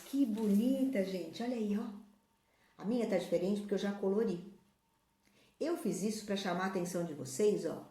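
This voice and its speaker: A woman's voice: mid-range voice, warm tone. A woman teaching a children's math lesson, patiently explaining shapes while pointing at objects. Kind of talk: classroom video lesson. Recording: echoey room.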